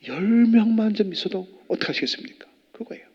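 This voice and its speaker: A man preaching a sermon as pastor, animated and firing rhetorical questions at the congregation. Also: high-pitched, quick pace, slightly rough. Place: church sanctuary. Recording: long church reverb, dull lo-fi.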